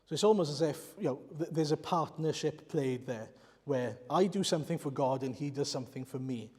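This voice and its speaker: A man's voice: fairly high pitch, brisk, darkish tone, breathy edge. A man from Wales, a Welsh speaker, preaching a sermon in an earnest, explanatory way and putting rhetorical questions to the congregation. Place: church. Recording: reverberant church hall.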